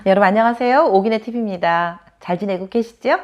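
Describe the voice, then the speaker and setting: A woman's voice: mid-range voice, fairly quick, soft background music. A woman from Chungcheong, South Korea, hosting her own channel and chatting to camera in a casual storytelling way, laughing often. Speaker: channel host.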